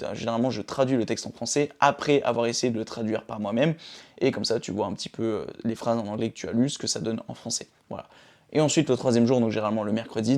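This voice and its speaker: A man's voice: on the low side, a little mellow. A young man from France talking informally to his phone camera about his daily routines, often checking in with the viewer. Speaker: vlogger. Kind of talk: casual self-help talk to camera.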